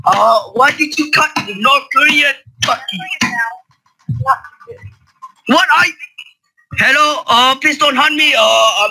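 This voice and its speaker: High, sharp-voiced young-sounding male prank caller. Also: poor audio. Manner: crude, swearing, halting. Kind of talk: casual prank calling on a group voice chat. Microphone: computer mic on an online voice call.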